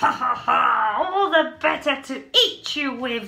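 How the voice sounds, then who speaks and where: This is a put-on character voice with a growling sound. The pace is fairly slow. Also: female-sounding voice, high pitch for a woman. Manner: snarling, menacing, gleeful.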